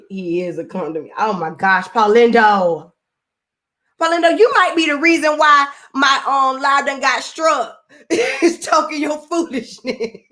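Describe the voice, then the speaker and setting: Southern girl on a live stream, laughs a lot, drags her words out, chatty and loose. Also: mid-range voice. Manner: animated, laughs often, drawls and drags words. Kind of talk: casual live-stream chat reading comments.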